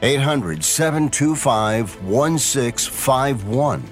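A man in a radio ad reading out a phone number deliberately. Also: mid-range voice, lively intonation, faint music behind. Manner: slow, deliberate. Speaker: ad announcer.

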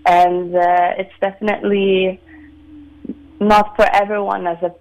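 A woman in her late twenties, from Sweden, a ballet dancer answering interview questions in a measured, soft-spoken way with many pauses. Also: medium pitch, little pitch movement, poor audio. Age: 20s. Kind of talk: phone-in radio interview.

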